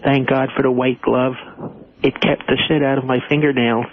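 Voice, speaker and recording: Man as creepy male inmate for prank call, ordinary pitch, narrow phone-like sound. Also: little pitch movement, moderate pace, a little hiss or hum, natural voice. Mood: lewd, eager. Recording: tinny, narrow phone line.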